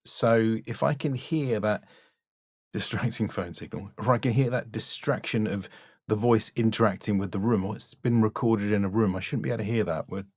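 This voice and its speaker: A low-pitched man speaks as a voice-over coach, recorded close and very dry. He critiques bluntly and instructively, stressing points in short, emphatic remarks. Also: normal speed, a little mellow, breathy edge, no echo. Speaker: voice-over coach reviewing demo reels.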